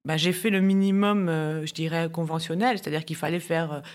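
Chatty Parisian woman lawyer. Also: deep voice. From Paris, France. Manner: chatty and lively, quick asides, frequent laughs. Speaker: business tax lawyer, podcast guest. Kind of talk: casual interview chat.

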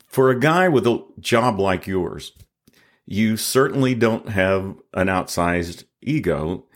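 A man hosting a podcast, telling a history story in a measured way and then interviewing his guest. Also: lowish voice, lively intonation. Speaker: podcast host. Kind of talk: scripted narration and interview. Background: faint guitar music.

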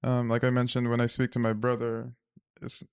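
A man from Zimbabwe talks slowly through his thoughts, often stopping with fillers to find the next word. His voice is gravelly and stays level. The sound is dry and close. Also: mid-range voice, completely flat delivery, dry recording. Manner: thoughtful, searching for words with many fillers. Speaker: guest. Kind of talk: reflective conversation.

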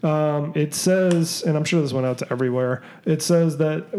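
A man's voice: a little high, moderate pace, mellow, a little hiss or hum. A man hosting a podcast in casual chat, rambling and joking with many "um"s and "uh"s. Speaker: podcast host.

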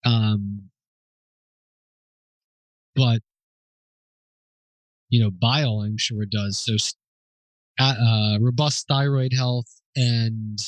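Fielding listener questions in a loose, explanatory Q&A, a male host thinks aloud, pausing and correcting himself as he goes. He speaks at a medium pitch in a steady tone, captured in a rough recording with no room sound.

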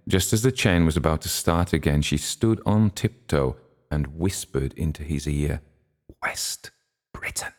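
A man narrating a literary audiobook in a very low voice. His tone has a gravelly, creaky texture, and he reads in a measured, steady way.

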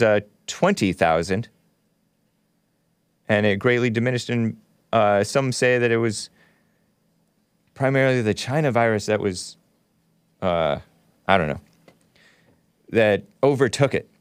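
A man's voice: on the low side, clean tone, dry recording. A man in his thirties hosting a call-in talk show, chatting casually and bluntly with slangy phrasing. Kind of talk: casual call-in commentary and caller chat.

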